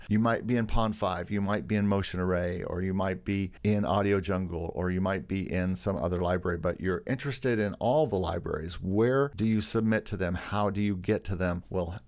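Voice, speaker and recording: A man's voice: sits low, a little mellow. A middle-aged man hosting a music licensing tutorial channel, talking in an enthusiastic, salesy way. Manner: enthusiastic, salesy, calls himself a carnival barker. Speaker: YouTube host teaching music licensing. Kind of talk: upbeat promotional tutorial.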